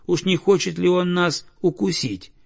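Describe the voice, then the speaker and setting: A man voicing a rough young village lad who shouts rudely. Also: sits high, fairly even intonation, normal speed, pitched above the performer's own voice, heavily acted. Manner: shouting, rude. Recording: dull lo-fi recording.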